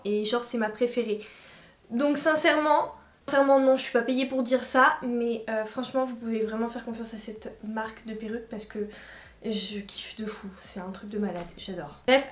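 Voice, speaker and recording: A woman reviewing makeup on her channel in a casual, slangy, animated way, laughing often. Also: fairly high pitch, reverberant. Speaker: beauty vlogger.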